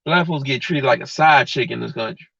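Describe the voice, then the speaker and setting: With a forceful, bright, husky and creaky mid-range voice, a livestream host talks a little fast, delivering a blunt, heated rant in casual slang to his viewers. The sound is from a dull lo-fi mic, with no echo.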